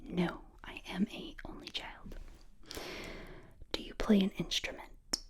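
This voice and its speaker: A woman in her twenties from the United States, whispering ear to ear as she answers viewer questions in a relaxed, chatty way. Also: lowish voice, takes it slowly, creaky. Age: 20s. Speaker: ASMR creator. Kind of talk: whispered ASMR Q&A. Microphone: close binaural mic.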